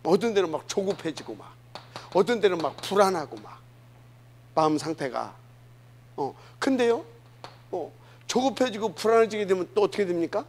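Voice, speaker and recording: A man preaching a sermon, often asking the congregation questions and swinging between loud emphasis and soft asides. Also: high voice, animated, normal speed, long pauses. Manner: asks the congregation questions, many fillers, dynamic swings. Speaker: pastor.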